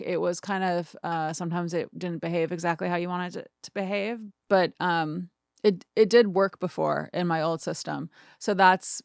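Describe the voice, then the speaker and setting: A woman's voice: lowish voice, gravelly, clean tone, no room sound, clean studio sound. A woman in her thirties hosting a music production tutorial, chatting informally and casually with some self-deprecation. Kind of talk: casual screen-recorded tutorial.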